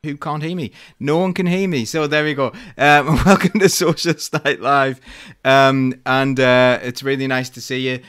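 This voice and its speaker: A man's voice: medium pitch, steady tone, moderate pace, few pauses, fairly bright tone, clean tone. A man hosting a live talk show, chatty and self-deprecating, with many fillers and restarts. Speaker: host.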